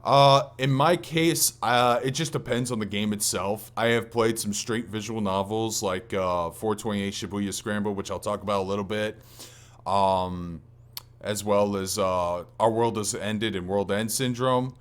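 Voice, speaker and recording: A man's voice: lowish voice, steady tone, unhurried. A man hosting a gaming podcast in casual conversation, talking in a hesitant, rambling way and often correcting himself mid-sentence. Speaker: podcast host.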